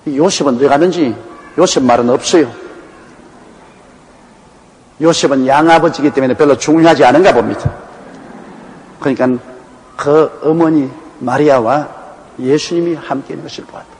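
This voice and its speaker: Older man, pastor, from Gyeongsang, sermon, emphatic, anecdotal, fairly high voice. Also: a little fast, in a large hall, a little hiss or hum, rough recording. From Gyeongsang, Korea. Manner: conversational preaching with folksy personal anecdotes; animated, emphatic delivery. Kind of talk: sermon with Bible exposition.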